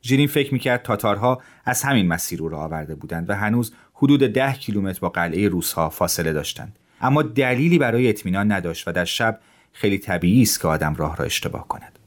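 A man narrating a story in a steady, measured way. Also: lowish voice. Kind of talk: audiobook narration.

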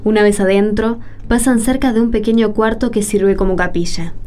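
Woman as mellow storyteller with soft guitar behind. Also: mid-range voice, fairly even intonation, normal speed, natural voice. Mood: calm narration. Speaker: narrator and friend character. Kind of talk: scripted radio drama narration and reading.

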